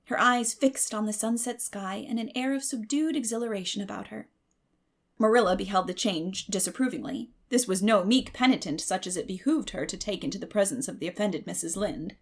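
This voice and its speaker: A woman narrates a storybook in a medium-pitched voice with noticeable creak. Her delivery is measured and expressive, in a dramatic audiobook style.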